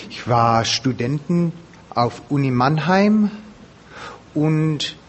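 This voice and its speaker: A non-native man speaks German with a foreign accent, slowly and haltingly, sharing his own story with a group. His voice sits at a middling pitch over faint noise. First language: not German. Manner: halting learner's German with pauses. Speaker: speaker at a recovery meeting. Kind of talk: personal testimony to a group. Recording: background noise, room ambience.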